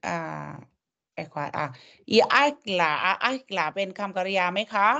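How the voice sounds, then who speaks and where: A woman's voice: lowish voice, normal speed, gravelly, fairly bright tone. A woman teaching a language lesson, coaxing students and drilling sounds syllable by syllable. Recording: dull lo-fi audio.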